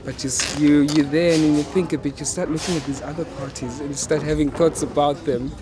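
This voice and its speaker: A man's voice: fairly high pitch, steady tone, fairly quick, a crowd in the background. A young man in an interview, hesitant and a little nervous, searching for his words. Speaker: voter. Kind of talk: casual interview. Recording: noisy outdoor street recording.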